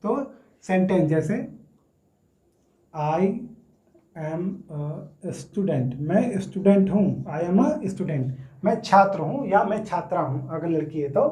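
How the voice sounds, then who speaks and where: A man teaching English grammar in a casual Hindi lesson. He explains step by step, stretches words out slowly when sounding them, and keeps checking in with his students. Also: high-pitched, a little mellow. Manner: explains step by step, often checks in with "theek hai na". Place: room, writing on a board. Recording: echoey room.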